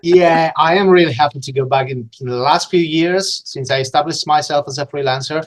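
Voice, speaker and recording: This middle-aged man speaks English with a Spanish accent, a bit high for a man. He talks enthusiastically and off the cuff, stumbling over restarts and repeated words as he goes. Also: fairly quick. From Spain. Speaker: podcast guest, localization trainer. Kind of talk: unscripted podcast conversation.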